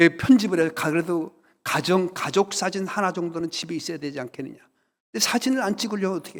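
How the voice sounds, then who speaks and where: Animated and high in pitch, a man rushes along at a very fast pace with hardly any pauses. His pitch variation is ordinary, but his loudness swings widely. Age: 60s. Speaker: pastor. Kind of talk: sermon. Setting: church.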